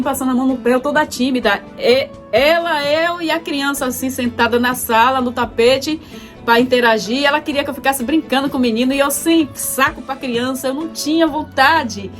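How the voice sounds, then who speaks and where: A woman's voice: high voice, fairly bright tone. A woman from Bahia with a Bahian accent, telling her own life story in a reflective, emotional vlog. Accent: Bahian Portuguese. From Bahia, Brazil. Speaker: vlogger. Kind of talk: personal storytelling.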